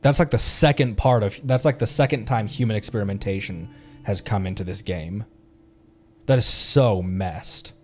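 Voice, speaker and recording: A man streaming a game live, reading text aloud haltingly and adding his own commentary. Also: on the low side, a little mellow, soft background music.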